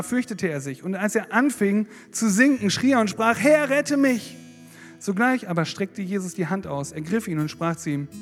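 High-voiced preacher in an echoing hall. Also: male voice. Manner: lively, dramatizing with acted-out prayers. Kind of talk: sermon. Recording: long hall reverb with faint guitar.

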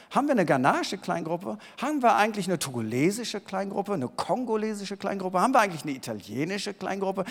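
A pastor preaching a sermon in a church hall, moving between quiet talk and loud, shouted emphasis. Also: male voice, sits high. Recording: long reverb of a church hall.

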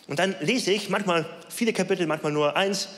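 A young man preaching a sermon with passion, switching between loud emphatic calls and soft low lines, in casual, youthful speech. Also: moderate pace. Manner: casual, youthful slang and laughs. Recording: long hall reverb.

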